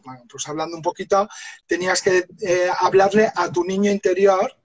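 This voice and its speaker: A man's voice: high voice, fairly even intonation, moderate pace, low-quality recording. A man, hosting a live stream in casual chat, rambling with many fillers and restarts.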